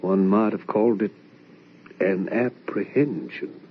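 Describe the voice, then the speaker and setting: An actor playing an anguished, probing young son in an old-time radio drama, with earnest, theatrical, questioning delivery. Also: male voice, on the low side, slow pace, breathy edge. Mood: somber, brooding. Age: young adult. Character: anguished, probing young adult son narrating a ghost tale. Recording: dull, lo-fi old radio recording.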